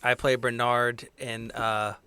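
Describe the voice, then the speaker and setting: A man's voice: medium pitch, little pitch movement, takes it slowly, sharp tone, clean tone, no echo. A man on a podcast, bantering casually as one of the players.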